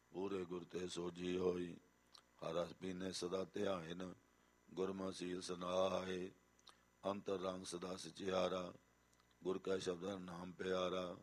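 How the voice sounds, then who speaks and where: A man reciting scripture in a slow, measured chant with a melodic lilt, sometimes repeating lines. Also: low-pitched.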